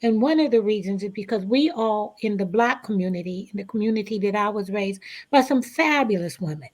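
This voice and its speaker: A woman's voice: mid-range voice, animated, a little mellow, low-quality recording. A woman speaking as an interview guest, earnest and emphatic, repeating phrases for weight. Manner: earnest, emphatic, deliberate repetition. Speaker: stage actress, guest. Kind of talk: conversational interview.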